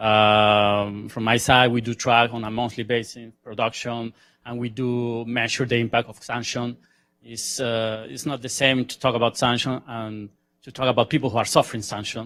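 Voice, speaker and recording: A man with a Venezuelan accent speaks at a moderate pace and medium pitch in a bright, sharp tone, with monotone, flat intonation and big swings in loudness. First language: Spanish. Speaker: energy consultant. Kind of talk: conference panel talk. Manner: halting.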